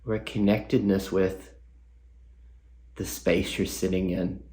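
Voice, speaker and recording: A man leading a guided meditation as a guest teacher, speaking gently with long pauses and reflective questions. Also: low voice, little pitch movement.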